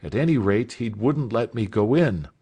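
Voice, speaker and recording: A man's voice: lowish voice, expressive, normal speed, warm tone, husky, pitched above the performer's own voice. A man reading aloud voices a nervous, earnest teenage schoolboy who speaks hesitantly.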